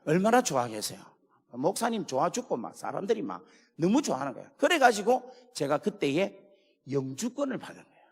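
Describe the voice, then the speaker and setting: A man's voice: fairly high pitch, very animated, brisk, breathy edge. Man preaching with a Gyeongsang accent. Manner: storytelling, swings from hushed asides to shouting. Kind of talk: sermon. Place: church sanctuary. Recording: long hall reverb.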